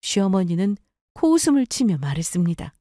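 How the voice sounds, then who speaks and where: Woman, story narrator, calm, measured, mellow, dry. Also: mid-range voice, dry recording. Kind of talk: scripted first-person story narration.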